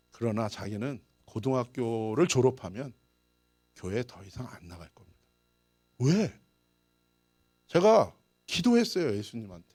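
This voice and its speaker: Lively storytelling male pastor. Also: mid-range voice, no echo. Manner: lively anecdotes, chuckles often, acts out quoted lines. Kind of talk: storytelling sermon. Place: church service.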